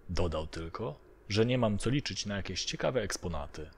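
A man's voice: low-pitched, lively intonation, normal speed, creaky, slight background noise. A man narrating a first-person horror story from a script. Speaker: narrator of audio horror stories.

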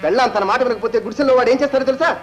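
Proud wounded son-in-law, high husky delivery, rapid, old film sound with faint score. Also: male voice, over music, poor audio. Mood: bitter. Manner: bitter, defiant speeches. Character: proud angry son-in-law leaving his in-laws' house. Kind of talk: old film drama acting.

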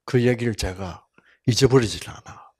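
An older man from Busan, giving a Bible lecture with personal testimony, telling stories folksily and swinging between loud exclamations and soft asides. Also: mid-range voice, normal speed, breathy edge. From Korea (Busan). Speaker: health seminar lecturer.

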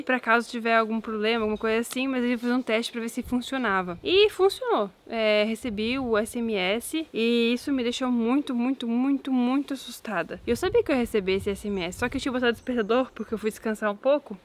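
A woman's voice: a little high, fairly bright tone. A young pregnant woman chatting outdoors to her viewers in a casual vlog, anxious, repeating words as she talks. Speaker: vlogger. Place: outdoors in a garden.

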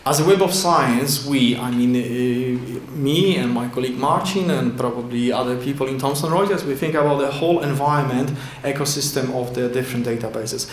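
A man's voice: medium pitch, a little hiss or hum. Man presenting in an echoey hall. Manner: halting non-native English with many fillers and restarts. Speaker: conference presenter. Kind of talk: conference talk with slides. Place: large indoor conference hall. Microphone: lectern microphone at a podium. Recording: echoey hall with faint ambience.

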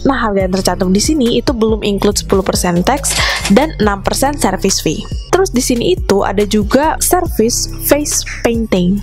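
A woman's voice: mid-range voice, lively intonation, normal speed, darkish tone, soft background music. A young woman narrating a casual restaurant review vlog in a chatty way, often addressing viewers as guys. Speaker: vlogger.

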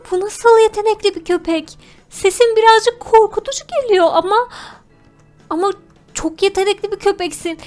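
A woman's voice: very high-pitched, a little mellow. A woman hosting a gaming video, narrating a role-play in an exclamatory, theatrical way. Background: background music.

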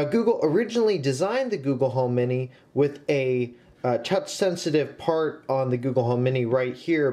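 A young man in his twenties narrating a scripted tech review with a clear, instructional delivery. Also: mid-range voice, mellow. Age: 20s. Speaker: tech reviewer, video host.

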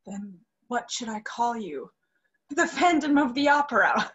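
A young woman playing a defiant, sorrowful captive singer in a staged reading, formal and deliberate. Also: on the high side, big pitch swings, a bit bright, husky, exaggerated voice. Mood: cold, resistant. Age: young adult. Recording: muffled video call audio.

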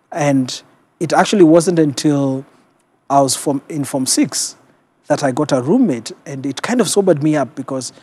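A middle-aged man with a Kenyan accent, a pastor talking reflectively and in a measured way as an interview guest. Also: mid-range voice, darkish tone, husky. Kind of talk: conversational television interview, personal storytelling. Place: television studio. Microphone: lapel mic.

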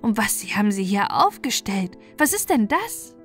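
A woman's voice: medium pitch, big pitch swings, normal speed, faint music behind, natural voice. A woman voicing cheeky, bold young sparrows in a storybook, exclaiming and chirping, with opinions on everything. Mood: bold, excited.

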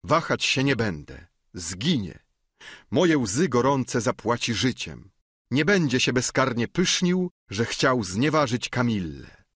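A man's voice: medium pitch, very animated, takes it slowly, a bit bright, husky, no echo, clean studio sound, full character voice. A man voicing a young noblewoman who feigns desperate fury, reading her lines in an impassioned, declamatory way for an audiobook. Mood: frantic.

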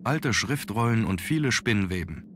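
A man acts out a determined young nobleman from a mystery adventure game. His voice sits low, and he speaks in measured, formal phrases. There is clear ambient noise behind him. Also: animated, close to an everyday voice. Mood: pensive, matter-of-fact. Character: determined young aristocratic man investigating his grandfather's death. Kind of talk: scripted adventure game dialogue.

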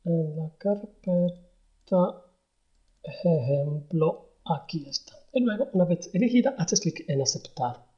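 A man giving a hesitant step-by-step software tutorial, with many pauses and fillers. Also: fairly high pitch, lively intonation. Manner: hesitant, many ums and ers. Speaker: tutorial host. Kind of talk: screen-recorded software tutorial. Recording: dull lo-fi voice-over.

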